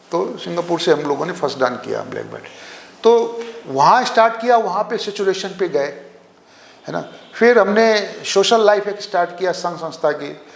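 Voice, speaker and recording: An older man speaking as a guest in an interview, telling stories in a relaxed way and often checking in with "isn't it?". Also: high-pitched, creaky. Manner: relaxed storytelling, frequent "है ना?" tags. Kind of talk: conversational interview. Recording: echoey room with faint noise.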